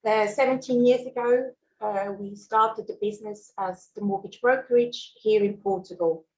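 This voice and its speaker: A woman's voice: medium pitch, fairly even intonation, moderate pace, darkish tone, lo-fi sound. A Swiss woman whose first language is German, presenting a mortgage webinar in a friendly way with fillers and small laughs. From Switzerland. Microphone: video call.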